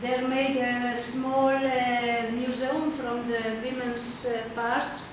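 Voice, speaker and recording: An older woman whose first language is Hungarian, presenting her artwork at an exhibition opening in halting speech full of fillers. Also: a little high, flat delivery. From Czechoslovakia. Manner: halting, searching for words, many fillers. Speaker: artist presenting her work. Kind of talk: slideshow talk at an exhibition opening. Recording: echoey hall from far off, noisy.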